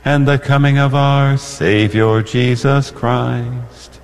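A man's voice: mid-range voice, steady tone, slow. A man serving as priest at Mass, solemnly intoning and reciting the liturgy, heard with a cathedral echo. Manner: solemn intoning, alternating spoken and sung prayer. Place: large church. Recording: long cathedral reverb with faint music.

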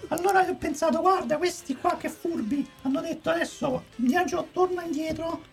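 A man's voice: very high voice, fairly quick, vocal fry, soft background music, pitched above the performer's own voice. A man voicing a flustered, foul-mouthed female film executive in a comic improvised impression, rambling and gossipy. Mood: scheming, scornful. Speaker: guest in a comic film quiz.

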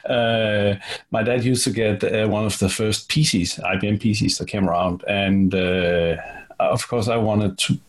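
Man, middle-aged, Danish accent, lowish pitch, relaxed, thoughtful, interview guest. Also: a little slow. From Denmark. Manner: relaxed, thoughtful, with fillers and repeats. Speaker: guest, author and software business partner. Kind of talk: casual interview answers.

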